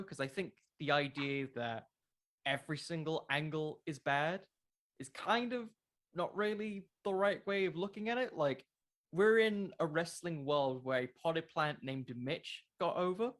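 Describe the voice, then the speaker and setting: A man's voice: fairly high pitch, fairly bright tone. A man chatting casually as the guest in an interview. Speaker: podcast creator being interviewed.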